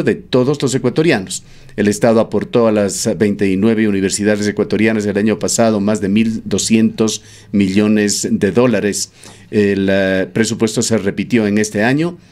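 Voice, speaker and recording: A man hosting a radio news program, interviewing a guest and reading a measured report with occasional fillers. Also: fairly low pitch, a little mellow. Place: radio studio.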